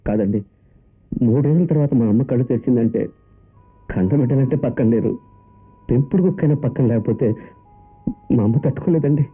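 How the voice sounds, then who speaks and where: Actor as devoted young son, earnest, quick, lo-fi film sound. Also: male voice, medium pitch, slightly rough, close to an everyday voice. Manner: earnest, emotional, tearful at times. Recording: tinny lo-fi film soundtrack with music.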